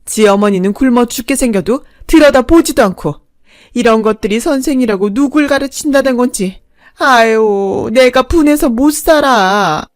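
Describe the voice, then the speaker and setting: A woman voicing a shameless, scheming older stepmother-in-law in a told story, loud and scolding. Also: on the high side, a little slow, no room sound, clean studio sound, voice pushed up, close to an everyday voice. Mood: wailing. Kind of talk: storytelling with acted dialogue.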